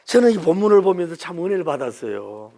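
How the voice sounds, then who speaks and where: A male pastor preaching a sermon emphatically, with many rhetorical questions, swinging from loud to hushed. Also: sits high, sing-song, quick pace.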